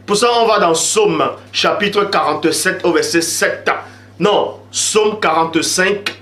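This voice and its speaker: Male preacher, fairly high voice, insistent and repetitive, echoey room. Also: fairly bright tone. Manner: insistent, reads verses slowly, repeats for emphasis. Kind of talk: sermon with Bible readings.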